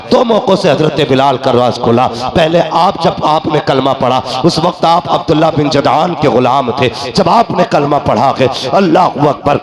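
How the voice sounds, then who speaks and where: A man preaching a sermon, telling a story, moving from hushed narration to shouted passages. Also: medium pitch. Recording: roomy gathering with crowd. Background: congregation responding.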